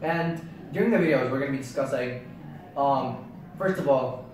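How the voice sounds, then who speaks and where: A man's voice: mid-range voice, moderate pace, a little mellow, heavy reverb, far from the mic, a little hiss or hum, low-quality recording. A man in his twenties from Yemen whose native language is Arabic, co-hosting a casual chat in an upbeat, eager way. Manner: upbeat and eager, laughs often. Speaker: co-host.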